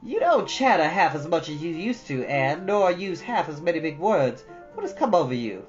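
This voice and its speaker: A woman reader plays a sentimental older guardian woman from a storybook, plain-spoken and wistful. Her voice sits low, with faint music behind a slightly muffled recording. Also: sing-song, normal speed. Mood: questioning. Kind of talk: storybook character dialogue. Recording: dull audio over soft guitar music.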